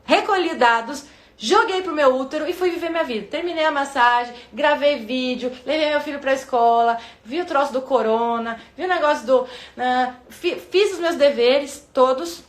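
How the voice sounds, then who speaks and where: A woman in her thirties with a Brazilian Portuguese accent, talking casually to her viewers and acting out her inner voices in sudden high bursts. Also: normal speed, echoey room. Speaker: vlogger giving relationship advice.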